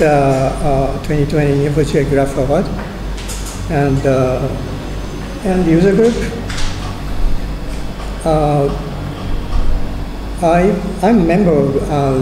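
A middle-aged man from Japan gives a conference talk with a Japanese accent, speaking slowly and haltingly through a string of fillers and restarts. His voice sits a little high. The lectern mic picks up a long, echoey hall reverb along with a clear air-conditioning hum. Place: large conference room. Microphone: room mic at the lectern.

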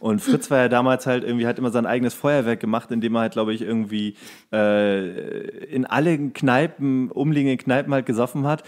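A man with a medium-pitched voice co-hosts a casual podcast. He tells anecdotes in colloquial, slangy speech, as he would among friends. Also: fairly even intonation, a little fast. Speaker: podcast co-host.

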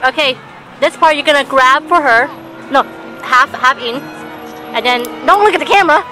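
A woman's voice: sits high, normal speed, pushed and bright, soft background music, poor audio. A young woman directing friends through a video shoot outdoors, calling short repeated commands and breaking into giggles. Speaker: video director filming on a phone. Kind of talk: giving directions between takes. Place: outdoors on a busy street.

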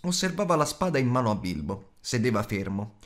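Expressive male audiobook reader. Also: medium pitch, fairly quick. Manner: dramatic, varied reading.

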